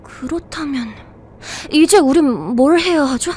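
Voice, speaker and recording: An actress playing a scared, wary young survivor in an audio drama, speaking in a hesitant, emotional way. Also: female voice, high voice, unhurried, darkish tone. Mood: anxious, uneasy. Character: frightened, wary young human survivor, desperate to live.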